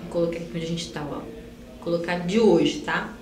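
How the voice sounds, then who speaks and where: A woman's voice: fairly low pitch, normal speed, darkish tone. A Brazilian woman teacher giving a recorded online grammar class, chatty, often tagging "né?" and using cute diminutives as she writes on a board. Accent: Brazilian Portuguese. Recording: echoey room, faint hum.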